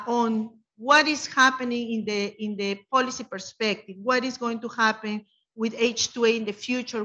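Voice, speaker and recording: A woman whose first language is Spanish speaks at a panel table, her voice sitting a little high. She talks earnestly and poses many rhetorical questions. The table mic gives a dull, lo-fi conference sound. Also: sharp tone. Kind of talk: panel discussion remarks. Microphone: table mic on stand.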